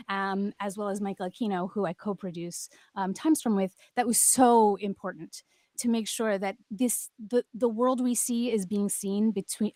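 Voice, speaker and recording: A woman's voice: mid-range voice, mellow, dry recording. A woman speaking as a panel guest, explaining her creative project with enthusiasm.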